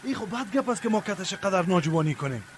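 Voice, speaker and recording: A man's voice: high-pitched, lively intonation. A male actor playing a secretive, persuasive village man who speaks insistently in a radio drama. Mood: earnest. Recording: faint background noise.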